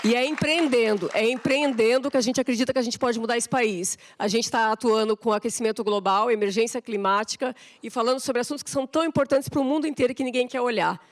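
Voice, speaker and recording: A woman's voice: on the high side, fast, few pauses, some chatter behind. A woman with a Brazilian accent giving a rousing public talk as an activist and entrepreneur. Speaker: entrepreneur and activist speaking at a conference.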